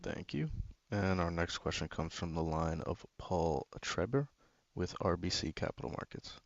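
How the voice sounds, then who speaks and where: Low-pitched male call operator, dry sound. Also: animated, moderate pace, vocal fry, dry recording. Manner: formal, polite. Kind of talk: scripted call moderation. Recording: dull, dry conference line.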